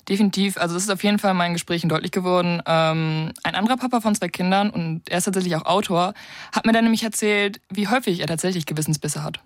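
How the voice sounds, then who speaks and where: A young woman reports on the radio at a fast clip, with the odd "ähm". Her voice sounds close and dry. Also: lowish voice, dry recording. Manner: quick, with "ähm" fillers.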